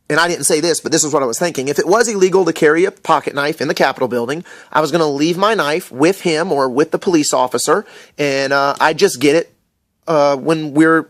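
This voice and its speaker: A man's voice: fairly high pitch, no room sound, clean studio sound. An American man casually recounting an incident to camera in a rambling, indignant rant full of fillers. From USA.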